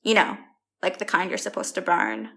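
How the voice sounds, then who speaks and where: An actress playing a blunt, sardonic young fairy-tale heroine with a casual, deadpan delivery in an audio comedy. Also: female voice, lowish voice, normal speed, vocal fry, full character voice. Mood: wry.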